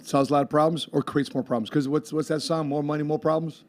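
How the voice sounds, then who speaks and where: A man hosting a podcast in casual chat, rambling with many fillers and quick laughs. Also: fairly high pitch, steady tone, slight background noise. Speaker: podcast host.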